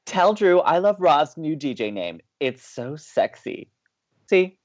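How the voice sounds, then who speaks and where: A man's voice: a little high, sing-song, slow, dull audio, slight background noise. A man playing an upbeat, playful young college radio co-host with an American accent, teasing and eager, in audio drama banter. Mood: playful, cheery. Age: young adult.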